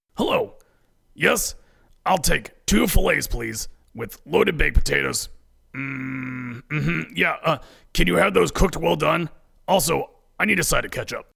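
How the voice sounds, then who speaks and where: A man speaks in a raspy, put-on character voice at a moderate pace, with long, frequent pauses. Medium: audio drama. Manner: casual, easygoing.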